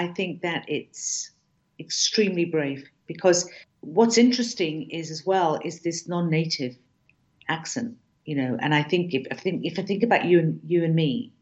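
A woman's voice: sits low, darkish tone, highs cut off. A woman speaking as a diversity and inclusion consultant, emphatic, with frequent restarts and repeated words. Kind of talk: conversational interview talk.

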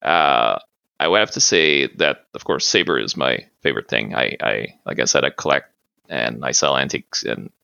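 A man's voice: very deep voice, normal speed, creaky, pushed and bright, clean tone, dry recording, muffled recording. A man whose first language is French, talking as a podcast guest, hesitant, with many fillers and restarts. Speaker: guest, martial arts practitioner. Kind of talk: casual interview talk.

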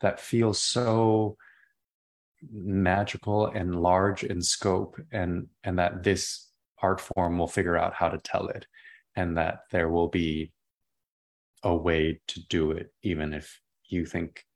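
Deep-voiced man, enthusiastic and rambling. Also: level tone, takes it slowly. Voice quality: naturally deep voice. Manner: expansive, enthusiastic, prone to tangents and repeated words. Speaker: playwright. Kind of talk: reflective interview answer.

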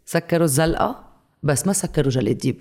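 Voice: medium pitch, expressive, quick pace, gravelly, darkish tone. A speaker with a Lebanese Arabic accent in a casual chat, occasionally mixing in French and English words.

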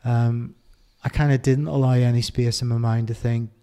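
A middle-aged man with an Irish accent, talking candidly as an interview guest, reflective and halting with many restarts. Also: mid-range voice, level tone, mellow, clear, resonant tone.

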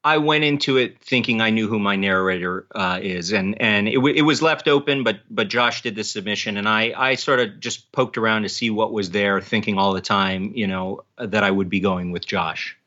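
A man speaking as an interview guest, an author talking casually in halting, self-correcting phrases. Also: lowish voice, sharp tone. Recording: dull, band-limited audio.

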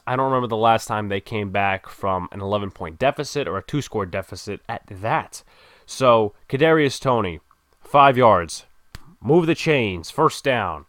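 A sports podcast host with a mid-range voice casually recaps a football game as an excitable fan, swearing and laughing. He swings between calm play-by-play and loud outbursts, and the audio is studio quality with no echo.

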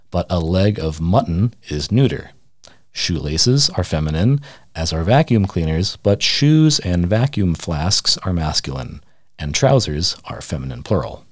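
A deep-voiced man reads a humorous essay in a dry, deadpan, mock-serious tone. His voice sits very low, and the recording is close and dry with no room sound. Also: dry recording. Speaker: radio essayist. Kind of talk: humorous essay read aloud.

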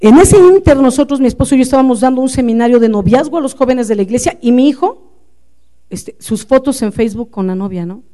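Mexican lady telling her story to a crowd of women, high warm voice, chatty asides. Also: fast talker. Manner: lively, confiding, playful asides to the audience. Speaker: speaker addressing women. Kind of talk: storytelling talk.

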